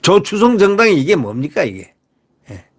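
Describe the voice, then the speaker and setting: A man's voice: high voice, very animated, moderate pace. Emphatic man hosting political commentary. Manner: emphatic, rhetorical questions to viewers, repeats catchphrases.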